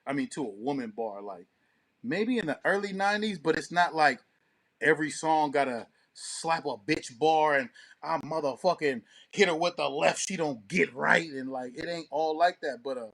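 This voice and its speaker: A man with a slightly high-set voice holds forth on a casual talk show. He speaks as a co-host trading opinions, loose and slangy, and swears freely. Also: moderate pace, gravelly, a bit bright. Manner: slangy, profane.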